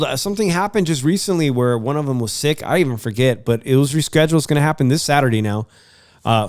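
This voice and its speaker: A man's voice: on the high side, clean tone, no room sound, studio quality. A congested man hosting a sports podcast, chatting casually about baseball and boxing, rambling with many uhs and restarts.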